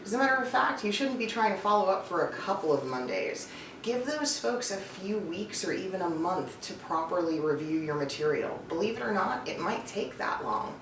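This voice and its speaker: In a medium-pitched voice full of big pitch swings, a woman speaks at normal speed to her listeners. She hosts a seemingly scripted advice vlog as a voice-over coach and casting director, keeping it chatty and emphatic. The sound is roomy and distant, with a little noise.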